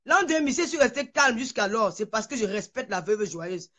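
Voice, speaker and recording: A woman's voice: on the high side, lively intonation, brisk, a bit bright. A woman in a heated online video rant, furious and shaking with anger, hurling insults and stammering over repeated words. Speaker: social media personality.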